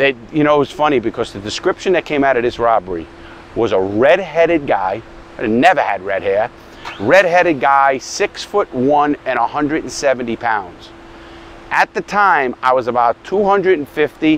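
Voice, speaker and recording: Over light background noise, a man speaks at a moderate pace with very wide pitch swings in a dry sound with no echo. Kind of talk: casual vlog storytelling. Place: street. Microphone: lapel.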